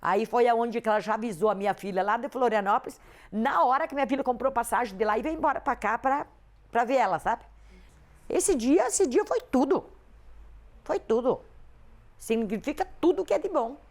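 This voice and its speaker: A woman's voice: fairly high pitch, moderate pace. A middle-aged woman, a mother, recounting in an interview how she heard the news, acting out the phone dialogue. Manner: animated retelling, acting out dialogue. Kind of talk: personal testimony interview.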